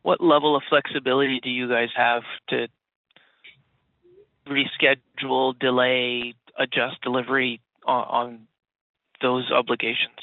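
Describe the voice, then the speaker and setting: A man's voice: mid-range voice, level tone, measured pace, vocal fry, no room sound. A man calling in as a financial analyst, asking casual questions on an earnings call. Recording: dry narrowband phone line.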